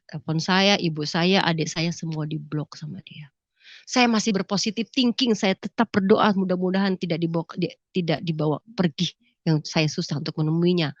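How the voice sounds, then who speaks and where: In a dry, dull lo-fi recording with no room sound, a middle-aged woman delivers an emotional church testimony. Her mid-range voice has a fairly bright tone, but it breaks with grief as she weeps, sniffles and repeatedly calls her listeners "saudara," brothers and sisters.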